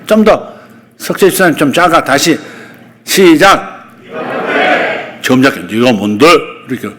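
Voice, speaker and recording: A man's voice: mid-range voice, in a large hall, background noise. A middle-aged male pastor preaching a sermon, acting out fierce rebukes and drilling the congregation.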